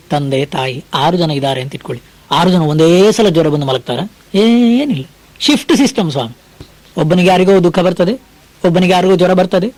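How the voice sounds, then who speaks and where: A man giving a spiritual discourse, slowly reciting verses and explaining them, dropping low and soft for gentle coaxing asides. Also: poor audio. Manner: slow sung recitation of verses between lively explanation. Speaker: spiritual teacher.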